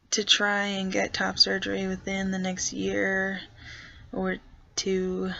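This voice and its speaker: A young trans guy talks slowly and hesitantly in a casual vlog, with a gravelly, creaky edge. He deliberately pushes his voice lower as he speaks. The recording sounds dull and lo-fi. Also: no echo. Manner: hesitant, soft-spoken, consciously pitching voice lower. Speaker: vlogger.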